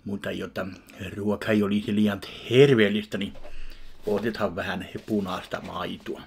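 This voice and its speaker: A man in his thirties reviewing a ready meal in his home kitchen, talking slowly and deadpan between bites into a webcam. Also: on the low side, vocal fry, slight background noise. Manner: unhurried, chewing between remarks, deadpan. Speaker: food vlogger. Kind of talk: casual eating review. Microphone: webcam at arm's length.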